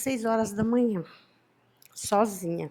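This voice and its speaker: The tone is dark and mellow. Intonation stays lively. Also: woman. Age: 60s. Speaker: audience member. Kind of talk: testimony.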